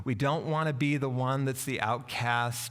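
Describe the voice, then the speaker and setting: The pitch moves with ordinary variation, and audible room echo surrounds the voice. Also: man. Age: 60s. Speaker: minister. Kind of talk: sermon.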